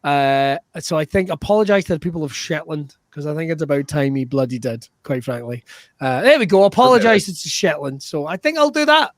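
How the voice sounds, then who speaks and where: A man's voice: on the high side, lively intonation, fairly quick, dry recording, studio quality. A male comedian on a video call, bantering and rambling through an improv show with lots of fillers. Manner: rambling, joking, full of fillers.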